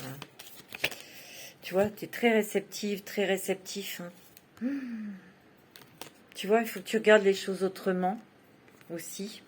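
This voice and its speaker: A woman's voice: medium pitch, a little mellow, slight background noise. A woman giving a casual tarot reading, chatty and often laughing, filling her speech with little asides. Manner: chatty, laughs often, many fillers like "hein". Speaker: tarot reader.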